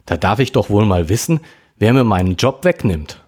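A man voicing a caring, teasing teenage brother in a story, in a low, husky voice. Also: very animated, normal speed. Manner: gentle, teasing.

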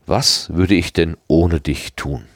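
A man reading aloud, voicing a sharp-tongued, scheming teenage schoolgirl with a lightly raised voice. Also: sits low, slow, dry recording, clean studio sound, heavily acted.

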